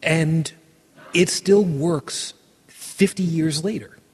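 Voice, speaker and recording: A man hosting a casual podcast chat, talking with animated enthusiasm and frequent restarts. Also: on the high side, slow pace, big-room sound, slight background noise. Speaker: podcast host.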